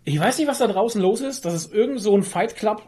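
A man talks very quickly in casual podcast chat. His wording is colloquial, full of little tag questions and bits of English slang. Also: high voice, lively intonation, darkish tone. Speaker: podcast host.

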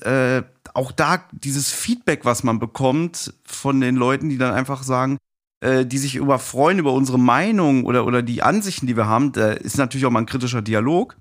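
An adult man with an average-pitched voice talks in a casual, conversational podcast style. Reflective and a little nostalgic, he comes across as a guest sharing his thoughts.

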